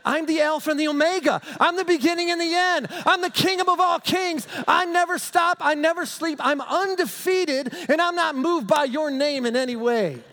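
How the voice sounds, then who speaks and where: Booming amused jesus figure, high and loud, a preacher putting him on, echoey church hall. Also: male voice, animated, normal speed, few pauses. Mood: triumphant. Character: calm, all-powerful Jesus, grown man, unshakable.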